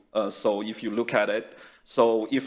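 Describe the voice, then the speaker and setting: Very clean recording, silent background, and a man with a non-native accent. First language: not English. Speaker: resident giving public comment. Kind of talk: public comment at council meeting. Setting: city council meeting. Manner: halting, many fillers.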